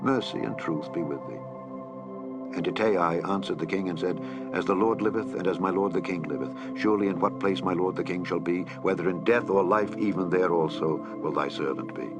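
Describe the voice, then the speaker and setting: A man reading scripture aloud in a measured, solemn way. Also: deep voice. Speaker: Bible reader. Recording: reading over clear background music.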